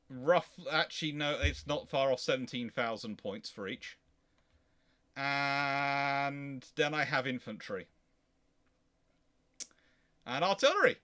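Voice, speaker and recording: A man's voice: medium pitch, bright, forceful tone. A man hosting a casual, rambling livestream chat, talking in a chatty, digressive way and breaking off mid-thought. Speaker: host of a naval history livestream.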